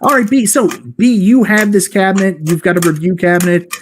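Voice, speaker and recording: A man's voice: high-pitched, brisk, slight background noise. A man hosting a live online show, upbeat and enthusiastic as he moves between guests. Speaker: show host.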